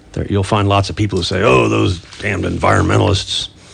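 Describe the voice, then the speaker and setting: Noticeable background noise accompanies a man talking with an American accent. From Northern Virginia, US. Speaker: radio co-host. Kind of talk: radio interview. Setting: studio.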